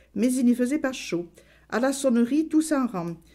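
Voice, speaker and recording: A woman's high-pitched voice with a dark, mellow tone at a moderate pace, on a very clean recording with a silent background. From southwest France, Auch (Gers). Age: 70s. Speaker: elderly resident recalling memories. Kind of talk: reading aloud.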